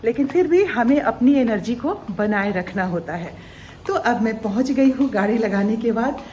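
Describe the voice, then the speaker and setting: A woman's voice: on the high side, lively intonation, moderate pace, warm tone, slight background noise. A middle-aged woman narrating a casual daily vlog in a chatty, explanatory way. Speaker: vlogger and radio broadcaster.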